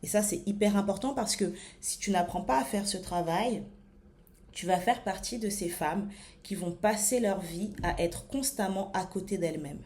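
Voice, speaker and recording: A woman in her thirties with a French accent, coaching her listeners on body image in a slow, deliberate talk with frequent hesitations. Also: medium pitch, darkish tone. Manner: many hesitations and fillers. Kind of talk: motivational talk to camera.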